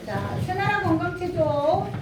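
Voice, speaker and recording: A woman playing a brisk, demanding fitness trainer who instructs a group in an amateur stage play. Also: extremely high pitch, sing-song, exaggerated voice. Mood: instructive. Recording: echoey room with faint background noise.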